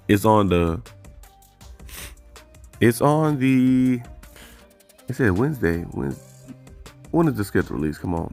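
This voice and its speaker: A man hosting a fan channel, talking through team news in a loose, rambling way and correcting himself as he goes. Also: fairly low pitch. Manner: rambling, thinks aloud, self-correcting. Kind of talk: casual solo sports commentary.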